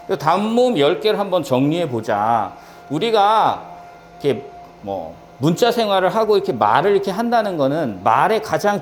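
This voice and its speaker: Lively, high-pitched male lecturer. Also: a little hiss or hum. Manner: rhetorical questions answered himself, emphatic repetition. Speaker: civil service exam Korean lecturer.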